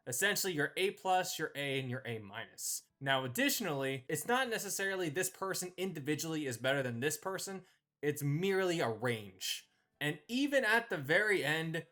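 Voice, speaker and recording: A man's voice: fairly high pitch, pushed and bright. A man hosting a ranking video, delivering scripted, opinionated commentary with emphatic phrasing. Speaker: host ranking visual novel characters.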